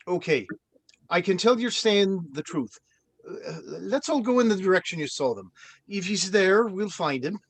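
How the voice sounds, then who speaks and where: A man's voice: high-pitched, animated, normal speed, slightly rough, full character voice. A man playing a falsely friendly commune member in a table read, soothing and a little hesitant. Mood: calmly reassuring.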